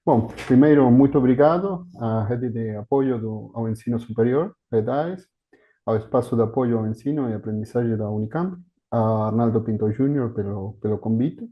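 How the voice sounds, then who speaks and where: Argentine man, native Spanish speaker, guest lecturer on a video call, halting delivery, dull lo-fi audio, mid pitch. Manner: hesitant, with many fillers and restarts. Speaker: guest speaker, historian of education. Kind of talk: academic talk in a video conference.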